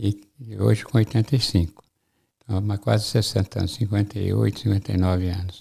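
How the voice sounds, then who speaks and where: A man speaks in a dark, mellow tone. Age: 80s+. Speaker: pediatrician and former city councillor. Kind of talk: podcast interview.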